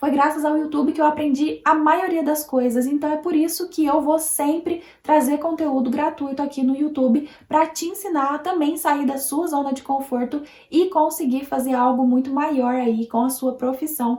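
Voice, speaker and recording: This voice has a dark, mellow tone, fairly even intonation, and a moderate pace with hardly any pauses. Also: woman, high pitch for a woman. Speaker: YouTuber and entrepreneurship content creator. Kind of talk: casual vlog monologue to viewers.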